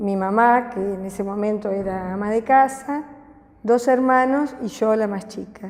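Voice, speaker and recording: There is noticeable background noise as a woman speaks at a fairly slow pace, her fairly high voice held to fairly even intonation. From Argentina, Paraná (Entre Ríos). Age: 60s. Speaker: dictatorship survivor and former activist. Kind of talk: testimony. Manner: hesitant with filler words.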